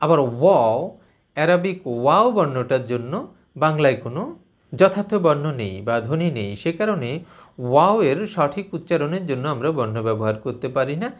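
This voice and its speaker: A man's voice: fairly high pitch, expressive, fairly quick. A man giving a spoken lesson on spelling and pronunciation, explaining patiently and repeating sounds to contrast them. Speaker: language teacher.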